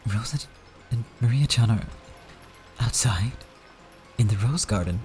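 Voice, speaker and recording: A man's voice: mid-range voice, a little slow, darkish tone, faint music behind, close to an everyday voice. A man voicing an anxious middle-aged woman with an urgent, pleading delivery. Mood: alarmed.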